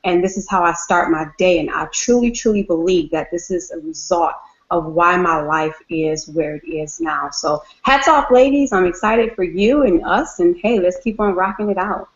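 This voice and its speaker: Upbeat woman in her thirties, low voice. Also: lively intonation, normal speed. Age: 30s. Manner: upbeat, repetitive emphasis. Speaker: guest mother. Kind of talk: casual call chat. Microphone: video call. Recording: lo-fi call audio.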